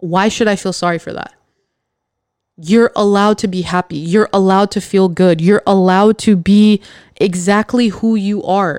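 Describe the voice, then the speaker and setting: A woman of medium pitch speaks in a flat monotone at a moderate pace, in a very clean, dry, close recording with a silent background and no echo. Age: 30s. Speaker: podcast host. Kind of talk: solo podcast monologue, advice. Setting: recording while live streaming. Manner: casual, conversational with fillers.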